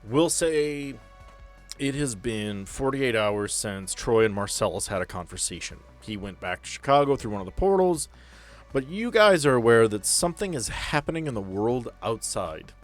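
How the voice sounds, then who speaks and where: A man's voice: medium pitch, big pitch swings, moderate pace. A man working as game master of a role-playing podcast, explaining and narrating casually with joking, sweary asides, with music behind him.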